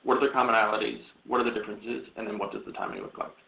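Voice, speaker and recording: Fast, low, creaky-voiced man moderating. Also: wildly swooping pitch. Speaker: call moderator. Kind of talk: reading out submitted questions. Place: conference call. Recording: thin phone-like line, roomy echo.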